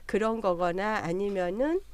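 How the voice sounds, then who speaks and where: A woman hosting a podcast panel chat, talking in a chatty, animated way and humming along as others speak. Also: medium pitch, moderate pace. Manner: animated, chatty, frequent backchannel hums. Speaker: podcast host. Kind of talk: casual panel discussion.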